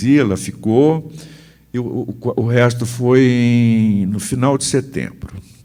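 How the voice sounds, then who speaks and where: A man's dark, mellow voice at a very slow pace. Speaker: businessman. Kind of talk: interview.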